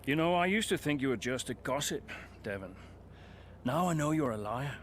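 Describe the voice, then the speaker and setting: An actor playing a weary veteran male racing driver near retirement, who speaks calmly and cuts in quietly. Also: medium pitch, moderate pace, a little hiss or hum, close to an everyday voice. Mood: cold.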